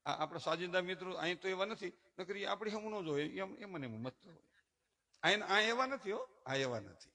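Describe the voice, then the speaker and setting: A middle-aged man, a folk comedian telling stories on stage. He talks loud and animated and swings into preachy appeals. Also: sits high, fairly quick. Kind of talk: live stage comedy storytelling.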